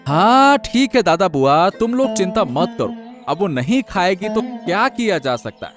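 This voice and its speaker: A man's voice: sits high, sing-song, unhurried, music in the background. A man voicing a worried young husband in a cartoon story, pleading and fretful. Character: anxious young husband, worried for his wife.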